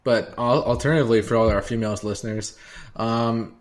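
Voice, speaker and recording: A man's voice: medium pitch, steady tone, a little fast. A man co-hosting a podcast, riffing playfully in casual, informal banter. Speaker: podcast co-host.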